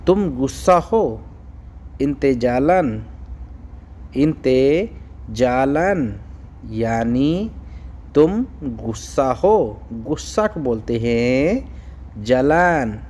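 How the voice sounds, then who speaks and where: A man teaching phrases in a language lesson, saying each one slowly and repeating it. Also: mid-range voice, sing-song, darkish tone.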